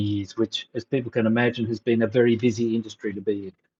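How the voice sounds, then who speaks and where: A man with an Australian accent, in a dry, close recording with no echo. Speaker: wargame designer. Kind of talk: interview.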